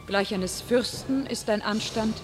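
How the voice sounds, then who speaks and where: An actress playing a young, divinely inspired warrior maiden in a classic radio drama, speaking solemn, impassioned verse in a commanding way. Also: female voice, a little high, measured pace, faint music behind, close to an everyday voice. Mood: proud, defiant. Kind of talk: classic German radio play, declaimed stage verse.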